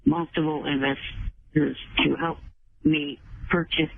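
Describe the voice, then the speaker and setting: A male caller with a fairly high, creaky voice talks very slowly and haltingly. He sounds earnest and formal over a dull phone connection. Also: level tone. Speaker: radio show caller. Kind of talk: phone-in chat. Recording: dull phone call with faint noise.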